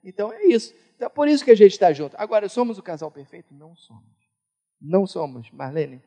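A man from Brazil preaching a sermon, emphatic, swinging between loud and hushed. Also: sits high, big pitch swings, quick pace, lo-fi sound. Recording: reverberant hall.

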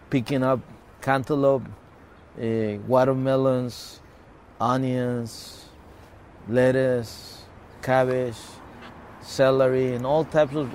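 In a conversational personal story, a man whose native tongue is Spanish, originally from the Mexico-California borderlands, stumbles along with frequent restarts and repeated words. He's an activist guest with a medium-pitched, darkish voice. A little hiss or hum can be heard.

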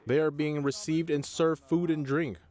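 A male official calmly describing the situation in a news interview clip. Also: fairly high pitch, moderate pace.

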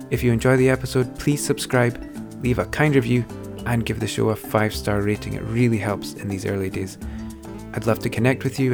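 A man's voice: medium pitch, creaky. A man hosting a podcast, reading a scripted intro and asking questions in an earnest, encouraging way. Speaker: podcast host.

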